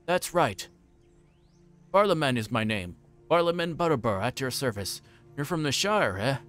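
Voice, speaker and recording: A man voicing a bustling, forgetful fat innkeeper in a storybook reading, rambling on in a hurried, folksy way. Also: mid-range voice, lively intonation, fairly bright tone, soft background music, lightly acted. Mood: bustling, jovial. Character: flustered, bustling, chatty fat middle-aged male innkeeper.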